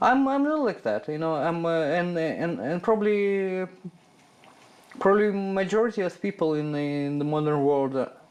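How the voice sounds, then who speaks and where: This man has a Russian accent and a high-pitched voice. His intonation is lively. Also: moderate pace. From Ukraine (Soviet Union). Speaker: interviewee. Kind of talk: interview. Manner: halting, many fillers and repetitions.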